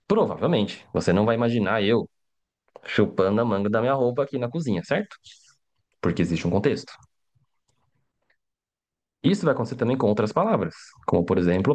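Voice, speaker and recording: This middle-aged Mandarin teacher runs a live online language lesson in a casual, chatty style, frequently checking in with students and tacking on tag questions. His voice is lowish with a darkish tone.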